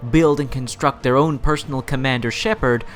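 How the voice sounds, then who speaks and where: A man's voice: medium pitch, a little fast, soft background music. A man hosting a gaming commentary show, giving his opinions emphatically and building up repeated phrases for stress. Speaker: host of a video game commentary show.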